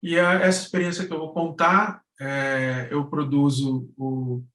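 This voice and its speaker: A man's voice: on the high side, little pitch movement, unhurried, fairly bright tone. A Brazilian man presenting informally to an online class over a video call, thinking aloud in loose, conversational phrases. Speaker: guest presenter, actor and cultural producer. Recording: roomy, echoing video call audio.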